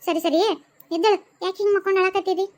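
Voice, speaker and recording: Lady doing a bossy ghost friend, north karnataka kannada, super high squeaky voice, talks fast and lectures a lot. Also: steady tone, a little mellow. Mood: scolding. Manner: lectures and scolds in a motherly tone. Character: older ghost companion, calm, preachy, scolding. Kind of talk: cartoon voice acting.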